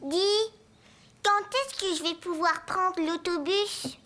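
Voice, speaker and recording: A woman voicing an eager, playful four-year-old boy in a children's cartoon, excitable and childlike. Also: very high voice, takes it slowly, a little hiss or hum, full character voice. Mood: pleading. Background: prominent music behind the voice.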